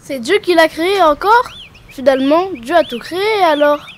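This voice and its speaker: A woman's voice: high-pitched, expressive, moderate pace, slight background noise. A female performer voicing a curious, eager and outspoken little girl in a Christian children's cartoon. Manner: inquisitive, plain-spoken.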